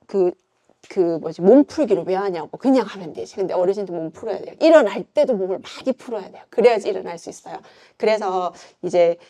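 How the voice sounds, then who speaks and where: Chatty woman lecturer, mellow voice. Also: mid-range voice, lively intonation, brisk. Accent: Gyeongsang. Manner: chatty, conversational, frequent fillers and rhetorical questions. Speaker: yoga instructor lecturing. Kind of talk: informal lecture.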